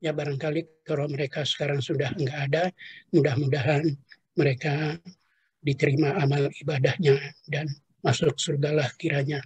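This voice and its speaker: An older man, a retired professor, telling his life story in an unhurried interview, with fillers and trailing asides. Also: fairly high pitch, level tone, husky, no room sound.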